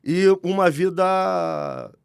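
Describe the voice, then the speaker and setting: A man's voice: high-pitched, wildly swooping pitch, extremely slow, smooth, no echo, studio quality. A man in his forties from Rio de Janeiro with a Carioca accent, a talkative guest telling his story in a podcast interview. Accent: Carioca Brazilian Portuguese. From Rio de Janeiro, Brazil. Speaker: guest executive.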